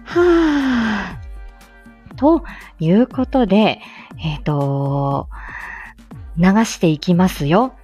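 A woman's voice: medium pitch, animated, drawn-out words, long pauses, darkish tone, breathy edge. A woman voice actress chatting casually about her drama, with lots of fillers and frequent laughs. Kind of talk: casual livestream chat. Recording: slightly dull audio with faint music.

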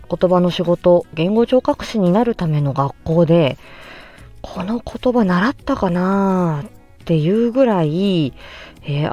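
A woman with a slightly low voice talks through a topic as a podcast host and speech therapist. She is polite and measured, pausing often with soft fillers. Faint music plays underneath. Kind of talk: explanatory podcast monologue.

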